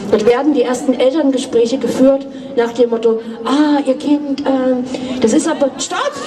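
Against noticeable background noise, a woman with a high voice speaks with long, frequent pauses. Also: fairly even intonation, moderate pace. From former East Germany. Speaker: activist speaker at a vigil; speaker. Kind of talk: public speech. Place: street. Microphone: handheld.

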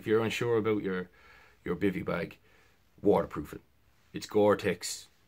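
A man's fairly low voice moves at a moderate pace. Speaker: outdoor gear vlogger. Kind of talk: casual gear review talk. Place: home room. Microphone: phone near.

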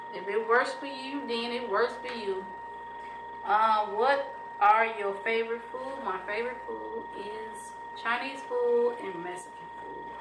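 A woman at a fairly slow pace, her loudness swinging widely, over noticeable background noise. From Tennessee. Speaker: YouTuber and Sunday school teacher; YouTuber, Sunday school teacher. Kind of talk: casual vlog chat (tag video). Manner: casual, chatty with frequent fillers. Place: home room. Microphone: webcam.

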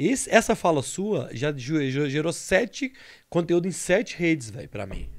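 Against a quiet background, a man talks at a moderate pace in a fairly high voice, with very wide pitch swings, big jumps in loudness and some vocal fry. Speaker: podcast host. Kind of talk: casual interview, live stream with ad reads. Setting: studio, live-streamed podcast. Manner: animated, chatty. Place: studio. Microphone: studio mic.

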